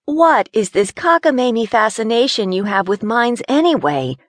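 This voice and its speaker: A woman voicing a feisty young city woman who is claustrophobic and quick to panic. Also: a little high, sing-song, no room sound, clean studio sound, voice pushed up. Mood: nervous, sassy. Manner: jumpy, sassy, quick to panic.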